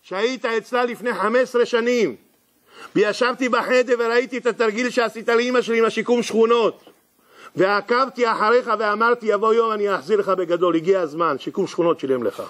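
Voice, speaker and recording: A rabbi voicing a calm young male landlord who steadily soothes an angry visitor. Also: high-pitched, pitched above the performer's own voice. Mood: revealing.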